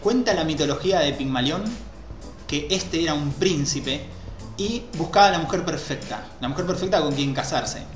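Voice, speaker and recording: Host, man, thirties, lively explainer, headset mic in an echoey room. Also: on the high side, normal speed. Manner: animated, gesturing with both hands. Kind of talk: explanatory talk on a video call. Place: small room with a white wall, indoors. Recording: echoey room with faint music.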